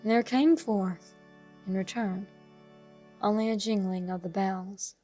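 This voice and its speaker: A woman reading a classic horror tale aloud in a slow, measured, darkly dramatic way. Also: medium pitch, fairly even intonation, warm tone. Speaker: horror story narrator. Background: faint music.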